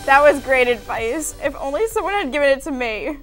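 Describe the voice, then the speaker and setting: A teenage girl anchoring a school news show with bright scripted delivery. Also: high voice, lively intonation, brisk, faint music behind. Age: teens.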